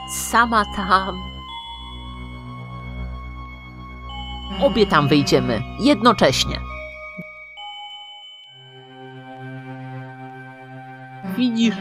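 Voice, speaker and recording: A woman's voice: medium pitch, animated, measured pace, over music, voice pushed up, lightly acted. A woman voicing a surly teenage monster girl from a video game, sarcastic, taunting and impatient. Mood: uneasy bravado. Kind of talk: dramatized video game dialogue reading.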